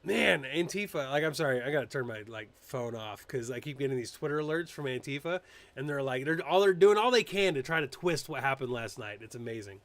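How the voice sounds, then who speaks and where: Fairly quick and mid-range in pitch, a male political commentary host chats on a casual live stream with no echo in the sound. He's animated and keeps restarting, dropping fillers while poking fun at public figures through mocking impressions.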